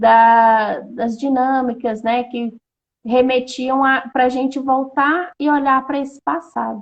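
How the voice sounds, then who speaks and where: Speaking at a very slow pace, a woman with a high pitch keeps her intonation fairly even. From Brazil, Minas Gerais (Patos de Minas). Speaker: schoolteacher. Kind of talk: interview testimony. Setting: live stream.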